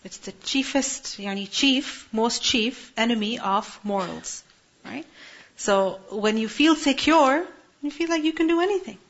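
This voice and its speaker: Muffled higher-voiced woman teaching a religious lesson. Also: unhurried. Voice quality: asks rhetorical questions, translates Arabic word by word. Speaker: Quran teacher. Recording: muffled lo-fi recording.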